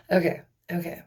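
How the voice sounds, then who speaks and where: A young woman vlogging casually, rambling and giggling nervously as she talks to the camera, swearing often. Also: darkish tone. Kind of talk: casual beauty vlog.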